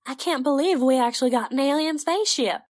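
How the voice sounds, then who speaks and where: A woman's voice: sits high, fast talker, darkish tone, close to an everyday voice. A woman playing a curious, wry adventurer in an audio drama, explaining things conversationally. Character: wry, curious female time-traveling adventurer.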